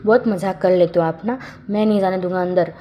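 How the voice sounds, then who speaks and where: A woman's voice: fairly low pitch, brisk, highs cut off, a little hiss or hum, natural voice. A woman voicing a nervous young male student who stammers and pleads in a storybook reading. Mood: pleading.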